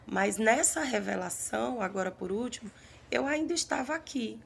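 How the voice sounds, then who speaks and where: A woman, earnestly recounting a prophetic vision in halting, repeated phrases. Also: fairly high pitch, animated, vocal fry, a little hiss or hum. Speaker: prophetic preacher.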